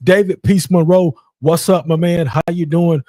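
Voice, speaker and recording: A man's voice: on the high side, fairly even intonation, moderate pace, warm tone, no room sound, clean studio sound. A man casually hosting a live boxing call-in show in a rambling, repetitive way. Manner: rambling, repeats himself.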